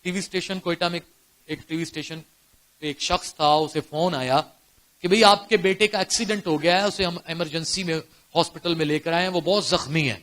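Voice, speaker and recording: A high-pitched man with a Pakistani accent preaches to a church congregation, his voice bright and forceful. He throws rhetorical questions at the listeners and moves between hushed storytelling and loud, ringing exclamations. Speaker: pastor. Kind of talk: sermon. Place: church service before a congregation.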